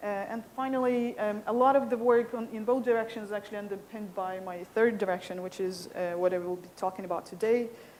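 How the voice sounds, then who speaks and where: Soft-spoken and fairly quick, a woman talks at a medium pitch with fairly even intonation amid audible room echo. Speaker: physics researcher. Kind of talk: scientific conference talk. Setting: lecture hall with live audience. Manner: hesitant, many fillers.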